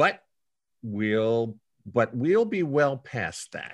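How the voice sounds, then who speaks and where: In a normal speaking voice, a man talks with lively intonation at a medium pitch. The recording is very clean, the background silent. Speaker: actor in a play reading. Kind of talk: dramatic play reading. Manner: agitated, distracted, excitable.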